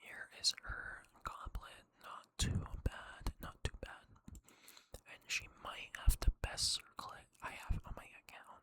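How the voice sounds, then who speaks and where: Whispering very slowly in a relaxed tone, a man's voice rises and falls sharply in loudness, the sound dry and close with no echo. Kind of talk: whispered ASMR gaming account showcase, casual talk to camera. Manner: whispered, relaxed.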